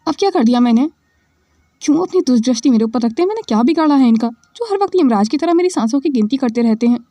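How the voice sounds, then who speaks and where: A woman's voice: high voice, animated, fast talker, dark tone, dry recording. A woman voicing a dramatic young female student who complains in a whiny, indignant way. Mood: annoyed.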